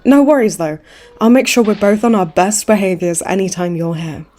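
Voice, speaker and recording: Woman playing a cocky, mellow-voiced supervillain. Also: mid-range voice, moderate pace, lightly acted. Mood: friendly, chummy. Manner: breezy, teasing, smug. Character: cocky, cheeky supervillain woman, a chummy hospital frequent flyer. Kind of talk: comedy audio roleplay acting.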